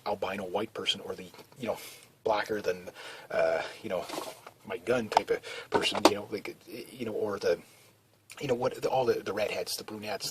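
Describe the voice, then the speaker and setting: A man's voice: lowish voice, heavy background noise. A man talking in a rambling, casual monologue, full of restarts and fillers. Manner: meandering, many restarts and "you know" fillers. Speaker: video blogger.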